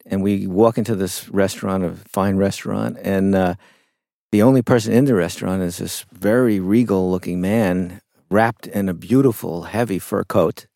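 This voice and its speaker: A middle-aged man, a songwriter guest in an interview, talking in a reflective, unhurried way with frequent fillers. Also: low voice, gravelly, mellow, dry recording, clean studio sound. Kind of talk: conversational interview storytelling.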